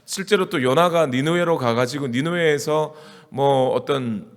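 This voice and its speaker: Speaking at a measured pace in a fairly high-pitched voice, a male pastor delivers a sermon in a conversational style, repeatedly posing questions to the congregation. He is in a church sanctuary, and the hall's long reverb colors the sound.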